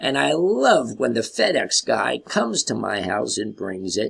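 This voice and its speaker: A man with a New York accent in dry, close sound with no echo. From New York area. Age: 60s. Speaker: online marketing vlogger. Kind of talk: sales pitch. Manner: animated.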